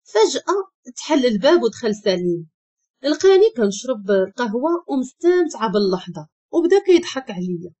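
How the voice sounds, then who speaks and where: A woman with a Moroccan accent narrating a first-person story in a lively, expressive way. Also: fairly high pitch, a little fast, breathy edge, muffled recording. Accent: Moroccan Arabic.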